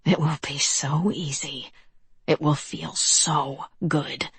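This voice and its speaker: A woman voicing a dark presence inside a girl's head, in a slow, coaxing, breathy whisper. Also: low-pitched, fairly even intonation, no echo, full character voice.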